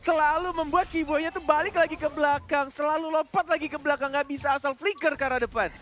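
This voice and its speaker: A man doing excited play-by-play commentary on a video game match, in a dramatic announcer manner with drawn-out calls. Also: very high voice.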